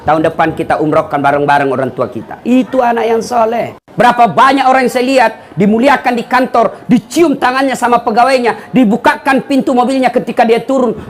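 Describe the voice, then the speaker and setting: High-voiced lively preacher. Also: male voice, a little hiss or hum. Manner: lively storytelling, acting out voices of people in anecdotes. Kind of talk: humorous sermon.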